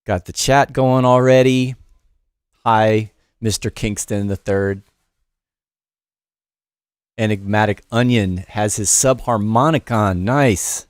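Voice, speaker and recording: A man's voice: fairly low pitch, smooth, no room sound, studio quality. Laid-back man hosting a live tutorial. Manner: loose, off-the-cuff, many fillers and restarts. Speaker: music production instructor and livestream host. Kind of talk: casual livestream tutorial, chatting with viewers. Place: home studio in New York.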